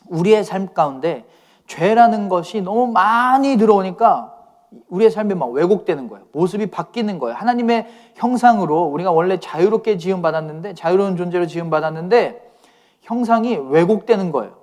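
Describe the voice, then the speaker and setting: A man's voice: high voice, lively intonation, a little fast, dark tone. A man pastor giving a conversational youth sermon, often asking his listeners questions.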